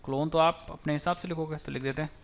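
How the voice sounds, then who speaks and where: A man walks through a coding tutorial at his desk, talking casually and thinking aloud. His voice sits a little high, and he drops English technical terms into his speech. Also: steady tone, fast. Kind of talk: screen-recorded coding tutorial.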